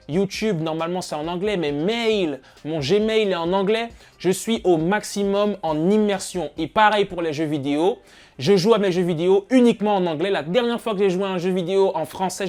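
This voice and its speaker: A man's voice: sits high, darkish tone. A young man from France giving casual advice straight to his viewers, chatty and full of fillers. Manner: chatty, addresses viewers directly with many fillers. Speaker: motivational YouTuber.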